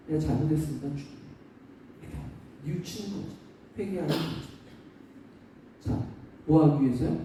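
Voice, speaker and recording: Warm-voiced pastor preaching in an echoing church. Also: male voice, fairly high pitch, recorded from a distance, a little hiss or hum. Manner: asks the congregation rhetorical questions and answers them. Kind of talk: sermon.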